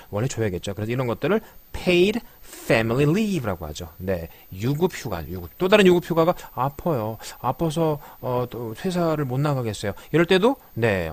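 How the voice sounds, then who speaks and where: A man teaching English pronunciation in a lecture, explaining patiently, slowly repeating phrases to show stress, with frequent short fillers. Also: on the high side, dry recording. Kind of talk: spoken language lecture.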